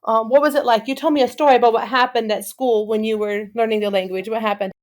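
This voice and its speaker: A middle-aged woman, a missionary mother, calmly answering and prompting her child with questions. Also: on the high side, fast talker. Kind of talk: conversational interview answers.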